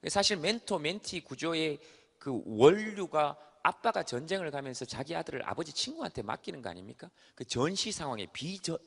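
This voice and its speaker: A husky, fairly high male voice that swings widely in pitch as he does a comic talk on stage. He tells stories with lively energy and jumps into shouted, acted-out voices. His voice rings with a long reverb in a large hall. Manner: animated storyteller who shouts out the quoted voices he acts. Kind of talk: comedic stage talk to a live audience.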